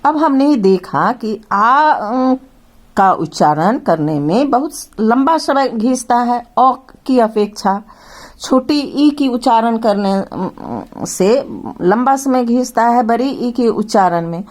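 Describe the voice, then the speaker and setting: A woman teaching grammar to children explains patiently and slowly, drawing out each vowel sound as she names it. Her voice is a little high, a little mellow and very animated.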